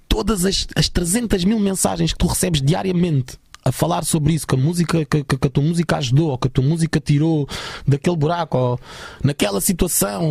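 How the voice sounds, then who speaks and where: Young Portuguese musician guest, gravelly and quick, slangy storyteller, dry close sound. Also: male voice, high-pitched, a little mellow, no room sound. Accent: European Portuguese. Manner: chatty, many fillers, slangy. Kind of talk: casual storytelling.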